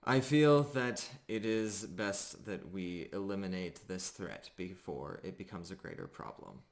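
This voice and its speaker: A man voicing a composed, stern female night elf commander in a fantasy tabletop game, questioning in a measured, clipped way. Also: low-pitched, animated. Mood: grim, decisive.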